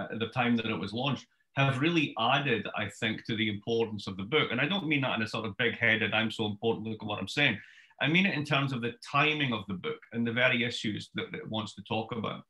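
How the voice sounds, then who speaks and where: A Scottish man in his fifties speaks with a bright, forceful tone. He tells his story in a brisk, wry way, like a lecturer talking from his home study. The sound comes through a webcam on a video call. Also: medium pitch, low-quality recording. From Scotland. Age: 50s. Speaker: author giving a book talk. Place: home study with bookshelves, indoors.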